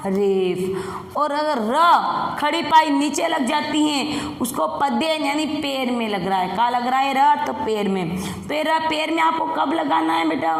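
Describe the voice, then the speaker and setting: Slow, high-voiced woman teaching children. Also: gravelly. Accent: Rajasthani Hindi. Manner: slow, coaxing, repeats and stretches words for children. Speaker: primary school Hindi teacher. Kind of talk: online class lesson for young children. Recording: echoey room with long reverb.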